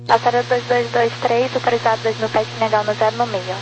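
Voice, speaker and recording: Even-toned Brazilian woman controller on crackly radio. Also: on the high side, fairly quick. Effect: crackly aviation radio. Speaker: air traffic controller. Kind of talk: procedural air traffic radio phraseology. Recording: noisy aviation radio with electrical hum.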